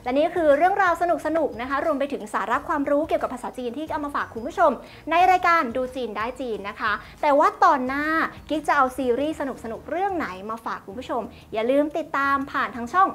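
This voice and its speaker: A woman's voice: high-pitched, animated, fast, few pauses, fairly bright tone. A young woman hosting a lesson, chatty and polite, explaining phrases word by word. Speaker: host teaching Chinese through drama clips.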